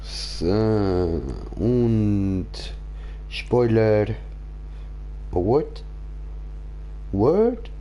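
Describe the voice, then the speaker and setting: A young man with a Swiss German accent, giving casual commentary while playing a game, relaxed and mumbling his choices aloud. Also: fairly low pitch, extremely slow, long pauses, slight background noise. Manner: relaxed, mumbling asides while choosing options. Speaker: gaming streamer.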